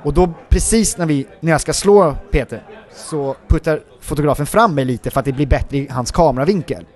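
Rambling man telling set stories. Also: fairly high pitch. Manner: rambling, many filler words, animated retelling. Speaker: actor guest. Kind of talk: casual interview storytelling.

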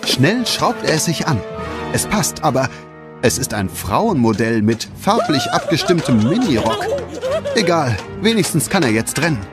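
A man's voice: on the high side, wildly swooping pitch, moderate pace. A man narrating a children's audio story in a dramatic, scripted storytelling style. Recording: loud background music.

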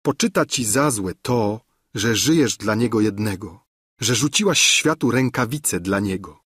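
A man reading aloud the impassioned, pleading lines of a despairing young woman in love, in a husky voice. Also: fairly low pitch, animated, a little slow, fairly bright tone, no room sound, studio quality, heavily acted. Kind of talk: audiobook reading of a classic novel.

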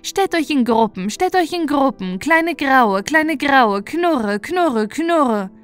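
A woman's voice: high voice, animated, slow pace, soft background music, pitched above the performer's own voice. A woman voicing a vain, bossy old mother pigeon in a storybook, cooing and repeating her commands. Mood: spiteful cooing.

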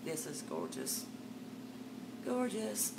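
An older woman hosting a live jewelry sales stream, chatty and warm with viewers, calling them darling and greeting them by name. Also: medium pitch, huge pitch swings, slow, gravelly. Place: room with a jewelry display wall, indoors. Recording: distant mic with background noise.

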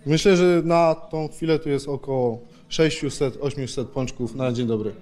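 A man's voice: mid-range voice, fairly even intonation, moderate pace, darkish tone. A man in his thirties, a baker, explaining a process step by step in an informal, matter-of-fact way on a handheld microphone. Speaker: pastry baker. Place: tiled bakery production hall. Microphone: handheld microphone held by interviewer.

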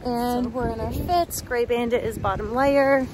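A young woman chatting casually and brightly as she vlogs a trip with friends. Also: on the high side, steady tone, measured pace, background noise. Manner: bubbly, chatty, laughing often. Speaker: vlogger. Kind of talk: casual vlog chat. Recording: loud music bed under the voice.

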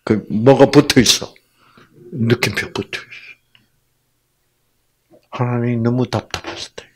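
A man giving a Bible lecture to an audience, often putting rhetorical questions to his listeners and acting out quoted lines in sudden loud bursts. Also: medium pitch, fairly even intonation, unhurried, breathy edge.

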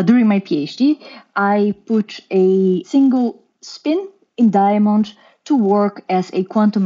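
A woman in her thirties speaks with a Brazilian Portuguese accent, explaining her work in a careful, measured way. Her voice is mellow and warm rather than bright. The audio is somewhat dull and lo-fi, like a remote recording. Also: mid-range voice. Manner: careful, explanatory, with occasional restarts. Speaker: guest scientist. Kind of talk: podcast interview, explaining.

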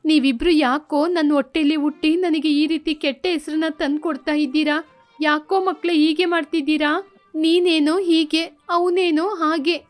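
A woman's voice: sits high, steady tone, normal speed, lightly acted. A woman voicing a stern, grieving older mother-in-law who scolds and laments, with faint music behind. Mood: distressed.

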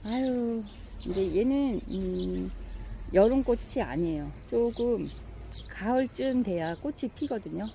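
Middle-aged woman, casual garden walk-through, relaxed dark timbre, fond chatter, light outdoor hiss. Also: a little high, slow pace, creaky. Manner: chatty and admiring, many soft fillers. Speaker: gardening vlogger.

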